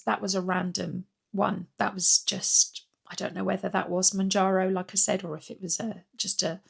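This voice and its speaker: A middle-aged woman with a croaky voice from a cold, giving a rambling, chatty vlog update full of ums and restarts. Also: mid-range voice. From Britain. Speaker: weight-loss vlogger.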